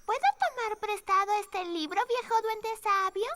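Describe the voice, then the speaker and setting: A sweet, curious young fairy princess, very high in pitch. She speaks Latin American Spanish with lively, inquisitive intonation over loud cartoon music. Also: measured pace. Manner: bright, inquisitive. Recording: music behind.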